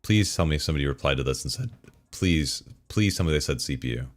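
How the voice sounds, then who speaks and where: Deep-voiced sarcastic male streamer. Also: animated, fast talker. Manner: sarcastic, chuckling asides. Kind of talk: casual chat reading forum posts between game loads.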